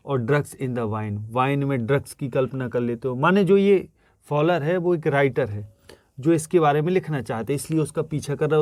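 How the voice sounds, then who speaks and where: A young man teaching an English text, reading lines slowly and explaining them at length in Hindi. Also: medium pitch, darkish tone, dry recording.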